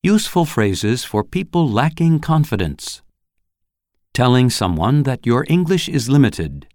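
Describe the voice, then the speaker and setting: A voice announcing the headings of an English phrase lesson in a crisp, heading-like way. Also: mid-range voice, big pitch swings, measured pace, a little mellow, no room sound, clean studio sound. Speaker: section announcer.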